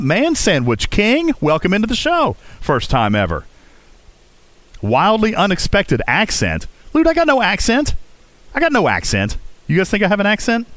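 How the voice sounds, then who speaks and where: A man's voice: medium pitch, a bit bright, dry recording. A man from Virginia hosting a casual gaming livestream, chatting to viewers and answering their chat as he goes. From Virginia, USA. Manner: talkative, reads and answers viewer chat, keeps asking "okay?". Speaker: livestream host.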